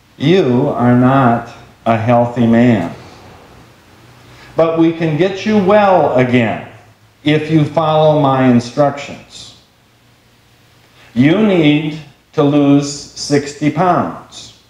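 Amid audible room echo, a man talks at a very slow pace with long, frequent pauses and ordinary pitch variation. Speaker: preacher. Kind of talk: sermon. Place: church.

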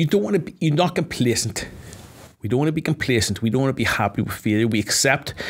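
A man with a Northern Irish accent, very fast pace, lively intonation and an animated tone. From Northern Ireland, Belfast. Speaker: podcast host, gym business owner; podcast host. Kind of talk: casual chat. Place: studio. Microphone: studio mic.

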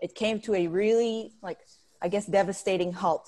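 The speaking pace is moderate. Behind it, the background stays quiet. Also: woman. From Indonesia. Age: young. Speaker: young activist, charity founder; guest. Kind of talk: casual interview. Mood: reflective, thoughtful. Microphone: video call.

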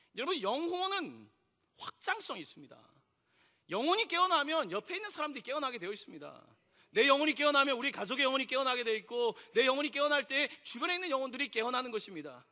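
Against a quiet background, a man speaks at a very fast pace in a raised, projected voice with an extremely high pitch and lively intonation. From South Korea. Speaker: pastor. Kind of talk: sermon. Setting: church. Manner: hesitant fillers. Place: church. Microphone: podium.

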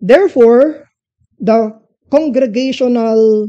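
This woman has a fairly high pitch and a dark, mellow tone. She speaks at a very slow pace with lively intonation. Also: quiet background. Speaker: preacher. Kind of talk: sermon. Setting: church. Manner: animated, expository, with emphasis; mixes Tagalog and English, laughs while preaching. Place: church. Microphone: podium.

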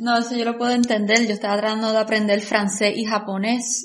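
The intonation is monotone and flat. Delivery moves at a fairly quick pace. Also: woman. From Puerto Rico. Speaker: webcomic creator. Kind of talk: roundtable discussion.

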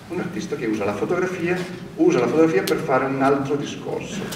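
There is audible room echo along with noticeable background noise. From Italy. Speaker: scholar, panel speaker. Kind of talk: lecture. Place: hall. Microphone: podium.

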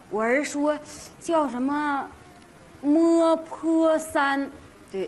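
Her high-pitched voice has ordinary pitch variation, and the woman leaves long, frequent pauses. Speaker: sketch comedy actor. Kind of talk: comedy sketch performance. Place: stage.

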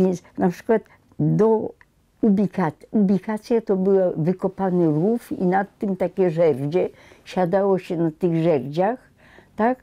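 A woman with a dark, mellow tone speaks at a very slow pace with ordinary pitch variation over a quiet background. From Poland, Masovia (Warsaw and Płock area); Masovia. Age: 80s+. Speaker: war veteran; witness. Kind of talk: testimony; interview answer. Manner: halting. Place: home room. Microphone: lapel.

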